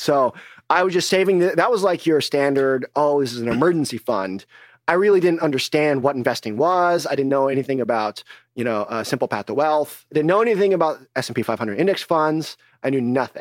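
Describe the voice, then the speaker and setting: In a normal speaking voice, a man talks at a fairly high pitch and a fairly quick pace. The sound is dry and close, with no echo. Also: lively intonation. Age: 30s. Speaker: real estate investor. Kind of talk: interview.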